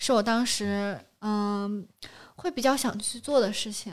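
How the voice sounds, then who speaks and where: On a very clean recording with a silent background, a woman talks in an unremarkable speaking voice. Her pitch is fairly high, with ordinary variation. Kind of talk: casual chat.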